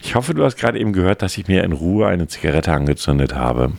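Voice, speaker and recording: A man's voice: sits low, very animated, quick pace, gravelly, darkish tone, slight background noise. A man co-hosting a casual podcast, joking and rambling with a self-satisfied tone. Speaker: podcast co-host.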